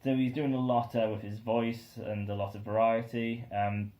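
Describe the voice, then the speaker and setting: A man's voice: mid-range voice, flat delivery, moderate pace, mellow. A young man giving a casual, rambling album review, full of ums and uhs and plainly enthusiastic about the music.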